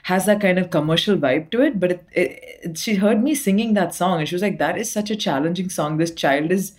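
A woman's voice: fairly low pitch, fairly quick, a little mellow. A young woman from Dubai, a singer-songwriter guest, chatting casually in an interview with lots of fillers and laughter.

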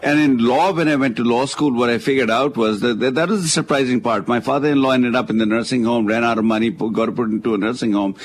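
Male talk-radio expert, South Asian accent, medium pitch, conversational and halting, slight background noise. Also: steady tone. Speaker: legal expert and author on a radio call-in show.

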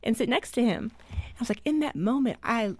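A woman's voice: a little high, lively intonation, normal speed, a little mellow, no echo. Earnest storytelling mother, dry sound. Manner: earnest storytelling, emotional at times. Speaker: guest, author and mother. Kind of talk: interview conversation.

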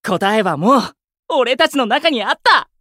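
A male actor playing an exuberant, warm-hearted young idol who teases his friends in rough, boyish speech in a Japanese voice drama. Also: extremely high pitch, big pitch swings, a little slow, no echo, studio quality, heavily acted. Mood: excited. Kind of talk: Japanese anime-style voice drama acting.

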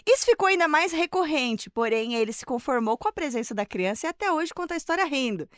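A woman co-hosting a podcast, excitable and nervously giggly, chatting and reading a listener's story aloud. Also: high voice, fast, dry recording, clean studio sound. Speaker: podcast guest co-host.

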